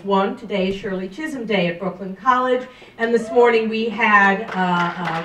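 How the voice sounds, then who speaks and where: A middle-aged woman professor giving a loud, emphatic speech at a campus event, holding a handheld mic. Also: fairly high pitch. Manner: loud, emphatic, listing with rising stress. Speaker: professor reading a statement. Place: large lecture room. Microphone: handheld mic, far camera. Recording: roomy hall from far off.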